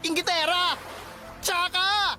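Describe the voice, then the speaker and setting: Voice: extremely high pitch, steady tone, slow, exaggerated voice. An actor in a radio drama playing a sassy, wronged gay teenage boy who is fiery, sarcastic and theatrically taunting. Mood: scornful, hurt. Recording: loud music behind the voice.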